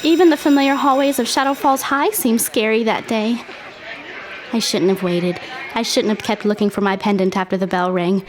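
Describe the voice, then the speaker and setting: A woman's voice: medium pitch, background noise, natural voice. A woman playing an anxious, petulant teenage schoolgirl in a dramatic audio drama, both in scenes and as its narrator. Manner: dramatic, youthful. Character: dead teenage schoolgirl, anxious and petulant, telling her story. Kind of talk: audio drama acting and first-person narration. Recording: music behind the voice.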